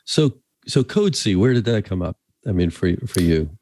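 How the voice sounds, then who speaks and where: A man's voice: low voice, very animated, normal speed, a little mellow, dry recording, clean studio sound. A man hosting a podcast interview, talking in a casual, joking way with chuckling asides. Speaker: podcast host.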